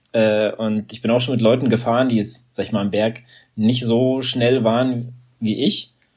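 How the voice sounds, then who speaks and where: Medium-pitched male speech at a moderate pace, monotone and flat in intonation. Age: 40s. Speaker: podcast host. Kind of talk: casual chat. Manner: halting.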